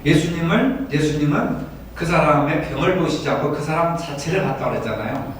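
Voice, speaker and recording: A man's voice: on the high side, fairly quick. A male pastor from Daejeon leading a Bible study, asking his listeners for agreement again and again. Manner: asks listeners for agreement often. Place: church room. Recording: echoey room from far off, faint noise.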